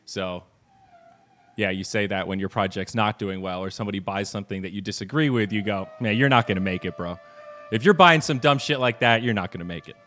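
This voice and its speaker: A man's voice: fairly low pitch, a little fast, fairly bright tone. A man hosting a casual podcast, talking in a laid-back, slangy way. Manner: laid-back, slangy, uses "dude" and "bro". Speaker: podcast host.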